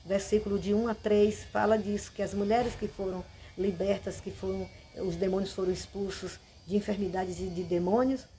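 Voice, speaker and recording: A woman's voice: mid-range voice, level tone, moderate pace, few pauses, dark tone. A woman pastor with a Brazilian Portuguese accent, preaching a sermon with emphatic, repeated questions.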